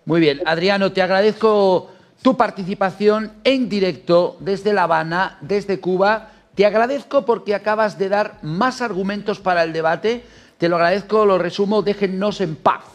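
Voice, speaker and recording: A man hosting a radio phone-in show, briskly thanking callers and moving the talk along. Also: sits high. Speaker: radio host.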